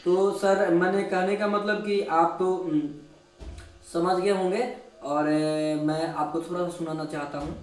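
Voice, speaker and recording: A chatty man keeps checking in with his listeners as he talks between keyboard demos. His voice sits at an ordinary middle pitch and sounds heavily echoey and distant from the mic. Keyboard music plays in the room behind him. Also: level tone, unhurried. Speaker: keyboard player and music teacher. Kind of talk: casual talk to camera between keyboard demos.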